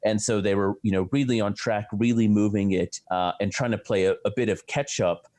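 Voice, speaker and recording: A low-pitched American man talks through a science story. He is chatty and loose, with many restarts and fillers. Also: fairly even intonation, a little fast, darkish tone. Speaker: astrophysicist co-host. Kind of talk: casual science chat.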